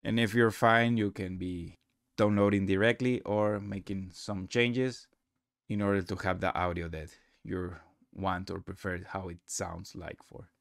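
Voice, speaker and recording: Low, creaky-voiced man presenting a tutorial. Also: steady tone, no room sound, studio quality. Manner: halting, non-native English phrasing. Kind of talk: casual screen-recorded tutorial narration.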